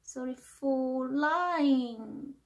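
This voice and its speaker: A woman voicing a mischievous, whiny little boy in a picture book read aloud, with high squealing childish wails. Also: drawn-out words, dull audio, full character voice. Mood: sheepish.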